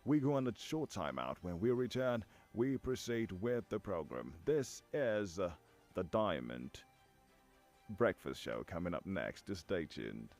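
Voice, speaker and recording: A man's voice: sits low, sing-song, unhurried, gravelly, darkish tone, faint music behind. A man with a Nigerian accent reading headlines and presenting on the radio as a host. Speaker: newsreader and radio show host. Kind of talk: scripted radio news bulletin and presenting.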